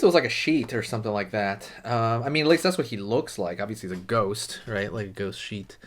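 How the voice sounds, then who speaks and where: A man hosting a casual drawing tutorial, talking loosely with lots of fillers and friendly asides while he draws. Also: fairly low pitch.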